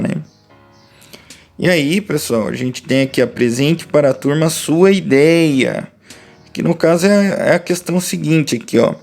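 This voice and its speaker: A young adult man with a Brazilian accent talks pupils through a worksheet in a relaxed, explanatory way. His voice sits a little high and has a gravelly edge. Faint music plays behind him. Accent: Brazilian Portuguese. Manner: casual explanatory, addressing pupils directly. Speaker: teacher. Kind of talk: remote lesson walkthrough.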